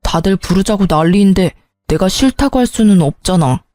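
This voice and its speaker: A woman's voice: mid-range voice, lively intonation, normal speed, warm tone, no room sound, clean studio sound, natural voice. A woman narrating a story, voicing a married man who grumbles and makes excuses. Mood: defensive. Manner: whiny, defensive, grumbling. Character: irritable hungover married man.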